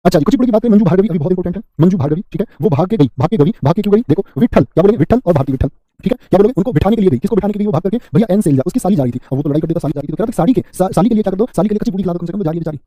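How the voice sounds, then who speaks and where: A man's voice: high-pitched, expressive, dark tone, dry recording, lo-fi sound. A man teaching an exam class live online, chatty, rattling off memory tricks and asking the class questions. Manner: fast, chatty, keeps asking "what will you say?". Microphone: close mic, sped-up video.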